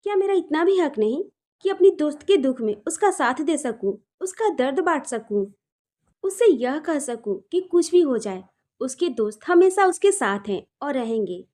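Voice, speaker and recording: A woman voicing a caring young female friend who gently presses with earnest questions. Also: high-pitched, big pitch swings, moderate pace. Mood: insistent. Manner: probing, coaxing, earnest.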